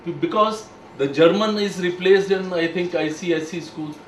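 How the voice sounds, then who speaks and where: A man, giving firm, opinionated views in a group discussion, speaking with pauses and emphasis. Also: sits high, a little hiss or hum. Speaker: panel discussant. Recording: echoey room, distant mic, faint background.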